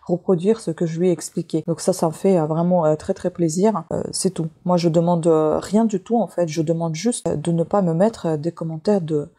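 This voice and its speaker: A woman's voice: fairly low pitch, steady tone, a little fast, few pauses, mellow. A woman who is not a native French speaker, hosting a crochet channel, talking frankly and with frequent hesitations as she vents her frustration. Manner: frank, exasperated, many hesitations. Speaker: crochet YouTuber. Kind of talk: casual tutorial intro, venting rant.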